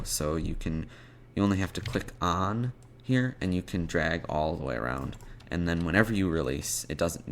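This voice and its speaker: A man presenting an unscripted programming tutorial, thinking aloud in a halting way as he types out code. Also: deep voice, a little hiss or hum.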